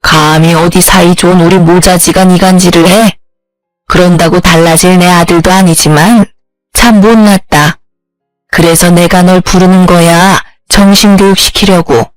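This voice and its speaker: A woman's voice: fairly low pitch, fairly even intonation, normal speed, no room sound, faint music behind, lightly acted. A woman voicing a bossy, scheming middle-aged mother-in-law in a story, talking down with sarcasm in a dry, close recording. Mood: scolding. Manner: sarcastic, scolding, belittling.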